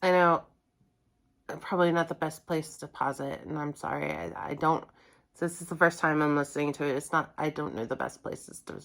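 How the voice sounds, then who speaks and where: A woman's voice: low-pitched, steady tone, normal speed, creaky, fairly bright tone. A woman hosting a reaction channel, chatting casually to viewers in a rambling, self-correcting and somewhat apologetic way. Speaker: host of a music reaction channel.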